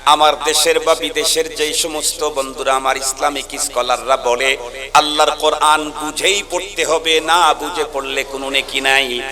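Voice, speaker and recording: A man from Bangladesh with a Bangladeshi Bengali accent preaching a waz sermon to a large gathering. He talks in a sing-song chant that swings from soft talk to shouts, and he keeps pressing the listeners to answer back. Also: fairly high pitch, steady tone, normal speed. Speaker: Islamic preacher. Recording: live sermon with crowd noise.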